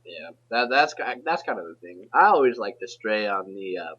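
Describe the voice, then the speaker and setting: A teenage man hosting a casual podcast chat, rambling with halting restarts. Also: fairly low pitch, sing-song, a bit bright, slightly rough, muffled recording. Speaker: podcast host.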